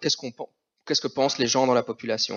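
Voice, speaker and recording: A man talks at a fairly high pitch. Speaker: psychologist and skeptic podcast host. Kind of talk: live public talk interview.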